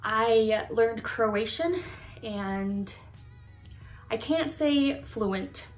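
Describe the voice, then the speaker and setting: A young woman from the United States chatting casually to the camera in her vlog, lively and laughing often. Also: on the high side, drawn-out words, soft background music, poor audio. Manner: chatty, laughs often, animated hand gestures. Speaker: YouTuber. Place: Halloween-decorated room indoors.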